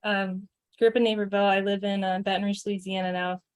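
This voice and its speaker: A woman's voice: mid-range voice, little pitch movement, fast talker, clear, resonant tone. A woman from Illinois introducing herself on a video call in an eager, rambling way.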